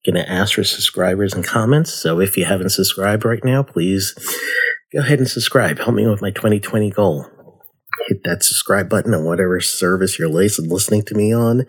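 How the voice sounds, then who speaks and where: A man's voice: low-pitched, a little fast, husky. A man in his forties hosting his own podcast, talking casually and rambling a bit with plenty of fillers. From United States. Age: 40s. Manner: rambling, friendly, many fillers. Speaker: podcast host. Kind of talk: casual solo podcast talk.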